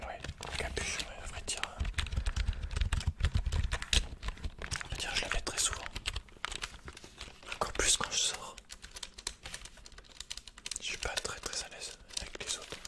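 A man's voice: unhurried, pauses often, close to an everyday voice. A young man playing a withdrawn, cynical young hacker in a hesitant, murmured ASMR roleplay. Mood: withdrawn, awkward. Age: young adult. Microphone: close-up mic, seated at desk.

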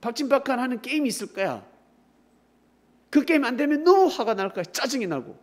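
A man's voice: extremely high pitch, sing-song, brisk. A man preaching to teenagers, retelling a Bible story playfully, calling on kids by name and teasing them with questions. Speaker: youth pastor.

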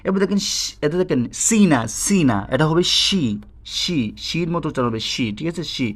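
A man's voice: a little high, animated, brisk, a bit bright. A man with a Bangladeshi Bengali accent teaching a spoken English lesson. He repeats himself, talks straight to his viewers and keeps checking that they follow. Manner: repetitive, checks in with "ঠিক আছে?"; addresses viewers directly.

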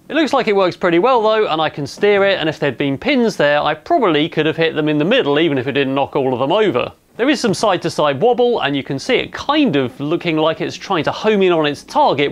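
A man in his thirties with an English accent, narrating his maker project in a matter-of-fact, technical way on a lapel mic. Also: on the high side. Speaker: maker vlogger. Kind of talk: explanatory voice-over narration. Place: home robotics workshop in an attic. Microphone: clip-on lapel mic.

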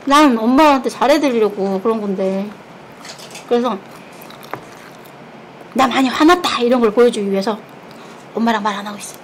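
A woman's voice: a little high, brisk, a little hiss or hum, poor audio. A woman from Korea, chatting candidly while eating and telling stories frankly, with laughter and blunt words. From North Korea. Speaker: mukbang streamer.

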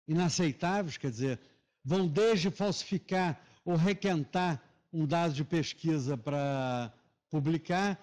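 A man from Rio de Janeiro with a Carioca accent and a hushing sh for s, giving a semi-formal academic lecture in Brazilian Portuguese. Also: fairly high pitch, a little slow. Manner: hushing sh sound for s. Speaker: lecturer, professor. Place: lecture auditorium.

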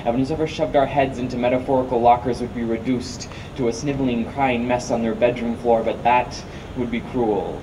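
A teenage boy performing rhythmic, wordplay-heavy spoken word poetry at a podium during a large outdoor rally. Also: mid-range voice. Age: teens. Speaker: student performer. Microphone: podium mic, picked up from a distance. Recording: distant mic, noisy outdoor sound.

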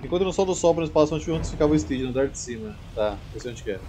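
A man's voice: a little high, animated, very fast, dark tone, a little hiss or hum. A young adult man with a Brazilian accent giving casual, slangy gameplay commentary, muttering asides to himself. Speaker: gaming streamer. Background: faint game music.

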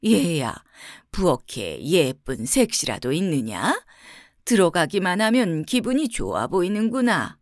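A stern old village mother, played by a woman in a bedtime storybook. She speaks lower than the storyteller's own voice and sounds scolding and suspicious. The sound is close and dry. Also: sing-song, a little slow, no echo.

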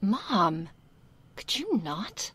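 Woman acting a husky, nervous young succubus, whispered role-play. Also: medium pitch, sing-song, drawn-out words, heavily acted. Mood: embarrassed. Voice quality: soft, husky, breathy. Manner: hesitant, flustered, succubus-like soft intimate delivery. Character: nervous young female succubus, reluctant, sheepish, affectionate daughter.

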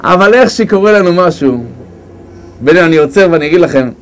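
A man giving a storytelling religious lecture, lively and acting out the characters as he goes. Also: sits high. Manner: lively, acts out characters with big swings of voice. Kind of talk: storytelling sermon.

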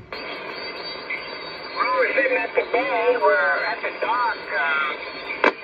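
A man's voice: sits high, animated, drawn-out words, gravelly. An American man chatting over CB radio from a fishing boat at a dock, laid-back and drawling. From United States. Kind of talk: casual radio chat. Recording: muffled, noisy radio signal.

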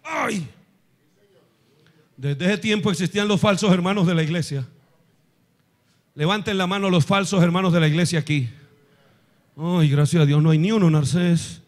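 A male pastor preaching a sermon to his congregation, swinging from hushed asides to shouted passages. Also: high voice. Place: church with congregation.

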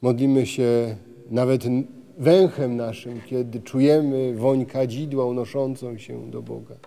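A middle-aged priest giving a slow, measured spiritual reflection full of rhetorical questions, recorded in a dim church. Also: male voice, mid-range voice, steady tone, gravelly. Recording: music bed under the voice. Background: soft music.

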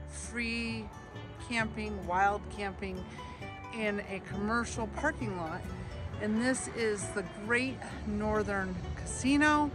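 A woman in her forties, a travel vlogger, chatting casually to a phone held at arm's length outdoors and inside her RV. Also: medium pitch. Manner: chatty, easygoing, talks to her dogs. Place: outdoors in a parking lot, then inside an RV. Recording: background music under the voice.

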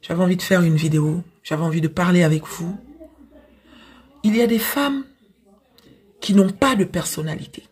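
Young woman w an african french accent, really raspy lowish voice, talking frankly to her phone, big sister advice vibe. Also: normal speed, pauses often, darkish tone. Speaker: social media advice creator. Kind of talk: direct-to-camera advice talk. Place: small dim indoor room. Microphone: phone at arm's length.

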